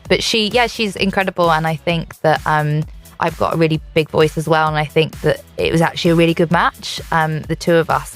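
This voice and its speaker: Low-voiced young woman, candid and chatty. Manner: candid, chatty, laughs easily. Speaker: singer guest. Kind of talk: radio interview chat. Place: radio studio.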